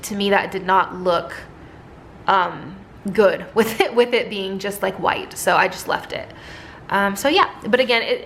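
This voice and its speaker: A woman talking casually through her new sticker designs, chatty and rambling, with a slightly hoarse voice. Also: medium pitch, a bit bright, slight background noise. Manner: chatty, rambling, many ums and likes. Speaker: sticker shop owner and designer. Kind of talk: casual product walkthrough.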